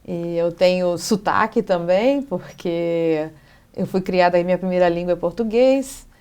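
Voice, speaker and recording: A middle-aged woman from Brazil, an educational psychologist answering TV interview questions thoughtfully and pausing to find her words. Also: on the low side, a little mellow, smooth. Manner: thoughtful, pauses to search for words.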